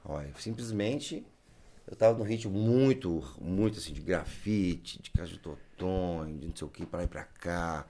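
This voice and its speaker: A man's voice: low-pitched, moderate pace, dark tone. A Brazilian man, telling a story in casual chat and acting out the lines he quotes.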